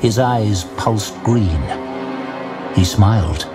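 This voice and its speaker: Low-pitched man narrating dark fantasy. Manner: measured, suspenseful. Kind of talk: dramatic scripted fantasy narration. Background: music.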